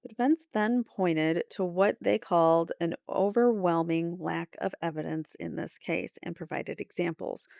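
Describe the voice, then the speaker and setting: A middle-aged woman with a noticeably creaky, mid-pitched voice gives a recap of a trial, reading updates aloud and breaking off for casual asides. The sound is dry and close, if a little dull. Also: fairly even intonation, measured pace, hardly any pauses, a little mellow, dry recording.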